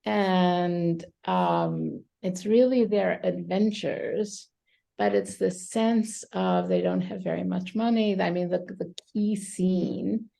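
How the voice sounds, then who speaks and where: A woman from Romania, a psychotherapist answering interview questions thoughtfully over a video call, with many pauses and fillers. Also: lowish voice, animated, gravelly, dark tone. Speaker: psychotherapist guest.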